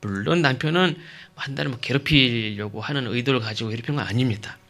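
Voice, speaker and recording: A man's voice: mid-range voice, fast, a bit bright. A man preaching a sermon as pastor, stressing points with rhetorical questions and checking in with the listeners. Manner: emphatic, asks rhetorical questions; checks in with the congregation.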